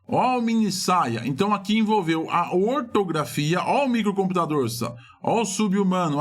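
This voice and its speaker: A middle-aged Brazilian man leads an exam review in a high, lively voice. He swings his pitch widely and leans hard on key words. He keeps asking questions and then answering them himself. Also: husky. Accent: Brazilian Portuguese. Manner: animated, emphatic, often asks and answers his own questions. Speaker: exam prep teacher.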